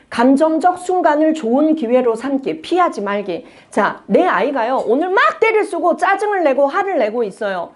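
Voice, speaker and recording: A middle-aged woman from South Korea, a psychology lecturer giving a talk on emotion coaching, speaking straight to her audience and acting out what a parent might say. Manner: addresses the audience directly with frequent "네" and questions; acts out parent lines in a lively higher voice.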